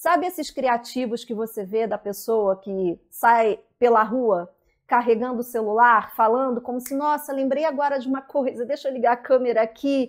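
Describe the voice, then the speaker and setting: Speaking with a Carioca accent, a woman uses a high pitch and ordinary pitch variation. She keeps a moderate pace with hardly any pauses against a quiet background. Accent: Carioca (Rio de Janeiro) Portuguese. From Rio de Janeiro, Brazil. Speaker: communication and public speaking coach. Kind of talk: online lesson on content creation. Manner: casual, conversational.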